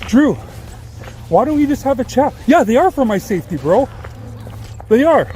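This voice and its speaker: A young man filming a street confrontation, speaking insistently and repeating his orders to keep the other man calm. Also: very high-pitched, normal speed, a little hiss or hum. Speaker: streamer confronting a man on camera. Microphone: body camera.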